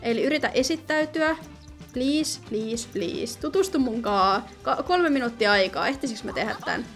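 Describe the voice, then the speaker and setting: A young woman commenting casually on her gameplay, chatty and excitable, often pleading and reading out game options. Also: a little high, faint music behind. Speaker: gaming video host.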